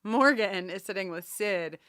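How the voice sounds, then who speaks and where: A woman co-hosting a podcast, chatting casually about a TV show in a wry, animated way and often interrupting herself. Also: mid-range voice, unhurried, clear, resonant tone, no room sound, clean studio sound. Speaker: podcast co-host.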